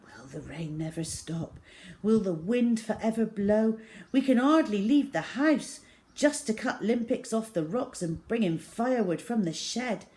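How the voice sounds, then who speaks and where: A woman storyteller reading a children's novel aloud in the first person, with measured, dramatic feeling. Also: medium pitch, animated, dark tone.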